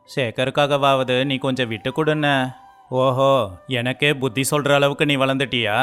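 Man, dubbed story dialogue, smooth clear voice, flat delivery, faint music. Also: mid-range voice. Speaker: voice actor for all male characters.

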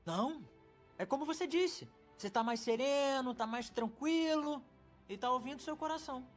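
A man's voice: very high-pitched, animated, moderate pace. An actor playing a brash, earnest young male rabbit in a Brazilian film dub, chatty, eager and pleading. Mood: apologetic. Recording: loud film music behind the voice.

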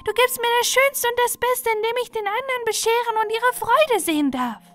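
A woman's voice: very high-pitched, expressive, brisk, a bit bright, faint music behind, pitched above the performer's own voice. A woman voicing an eager, sincere young girl in a storybook reading. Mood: overjoyed. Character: young girl Mariechen, earnest, overjoyed, pleading.

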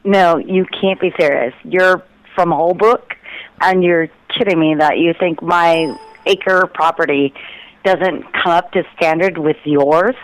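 A woman's voice: on the low side, fairly even intonation, unhurried. A woman arguing on a phone call, indignant and sarcastic, as the target of a prank call. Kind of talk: angry phone argument.

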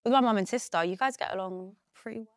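A young British woman speaks as a guest in a relaxed interview. She is chatty and easygoing and lets her sentences trail off. Her mid-range voice is recorded dry and close. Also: mid-range voice, fast talker, dry recording. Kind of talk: casual interview chat.

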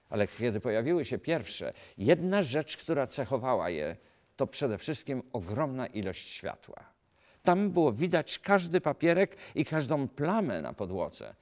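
A middle-aged male pastor from Poland preaches straight to the camera, asking questions and answering them himself. His voice rises and falls with a very lively, sing-song intonation at a moderate middle pitch. He is recorded close on a lapel mic in a quiet studio. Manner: earnest, animated preaching with rhetorical questions and gestures. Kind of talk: filmed sermon talk to camera. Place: dark studio set, indoors.

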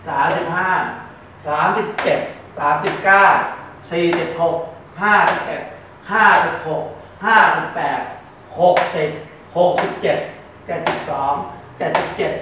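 A man's voice: sits high, measured pace, pauses often, background noise. A man giving a casual fortune-telling talk. He explains at length, often repeats words, and reads out long lists of numbers. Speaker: fortune teller. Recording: very echoey room, mic far off.

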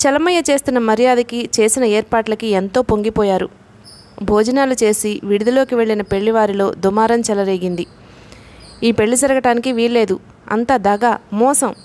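A woman reads a novel aloud for an audiobook. She tells the story in a steady, even way. Her voice sits a little high. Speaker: audiobook narrator.

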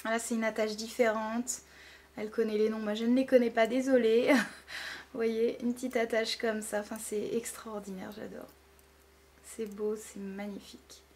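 Gushing woman vlogger, fairly high. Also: level tone, normal speed, a little mellow. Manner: gushing, enthusiastic, many fillers. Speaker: beauty vlogger. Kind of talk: casual show-and-tell.

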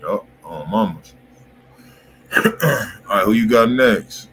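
A man's voice: lowish voice, slow pace, fairly bright tone, a little hiss or hum. A man hosting a music review livestream in casual, slangy talk, swearing freely and repeating himself.

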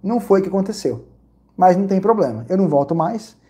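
Man, Brazilian Portuguese accent, casual vlog storytelling, warm dark tone, slightly high voice. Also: quick pace. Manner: animated, repetitive, exclamatory. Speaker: vlogger reviewing credit card perks and hotels.

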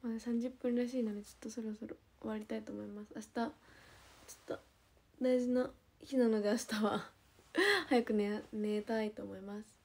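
Young woman w/ a nagoya accent, casual stream chat, mellow tone, laid-back, drifts quiet at the ends. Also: fairly high pitch, normal speed. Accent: Nagoya dialect. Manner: relaxed, chatty, trails off softly at phrase ends. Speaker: idol livestreamer. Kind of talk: casual livestream chat with viewers.

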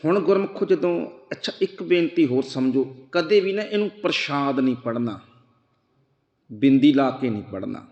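A man preaching a Sikh scripture sermon, chanting verses slowly and then explaining them earnestly. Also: medium pitch, expressive, roomy sound, long reverb tail, lo-fi sound. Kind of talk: slow devotional sermon.

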